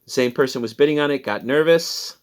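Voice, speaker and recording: Speaking at a medium pitch and a fairly quick clip, this online reseller has a Midwestern American accent. His casual sales recap wanders from item to item in a chatty, rambling way, and he laughs at himself as he goes.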